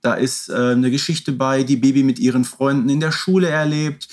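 Man, mid-pitched podcast co-host. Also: fairly even intonation, moderate pace. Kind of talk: chatty fan podcast talk.

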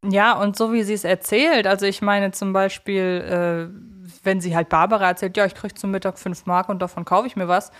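A woman's voice: mid-range voice, fairly even intonation, normal speed, hardly any pauses. A woman in her thirties talking as a podcast co-host, thinking aloud in long, winding, reflective sentences. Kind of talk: conversational podcast discussion.

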